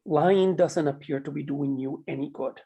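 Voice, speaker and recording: Man playing a husky, mellow, persistent mayor. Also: a little high, normal speed. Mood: probing. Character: calm, persistent small-town mayor pressing for truth. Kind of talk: screenplay table read.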